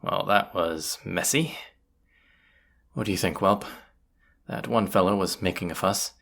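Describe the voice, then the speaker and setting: A performer voicing a folksy, plain-spoken bandit leader in an audio roleplay, with a gravelly, husky voice and a conversational, wry manner. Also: sits low, a little slow, heavily acted. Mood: wry, amused. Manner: folksy, conversational, hushed at times. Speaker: character voice actor. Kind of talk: immersive audio roleplay acting, addressing the listener.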